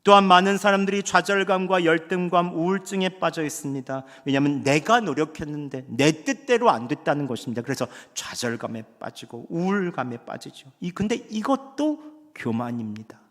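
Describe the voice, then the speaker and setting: A male pastor delivering a Sunday sermon in an earnest, conversational way, now raising his voice and now dropping to a hush. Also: fairly high pitch, lively intonation, normal speed, hardly any pauses. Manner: earnest, conversational preaching with swings between raised and hushed delivery. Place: church sanctuary. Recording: long church hall reverb.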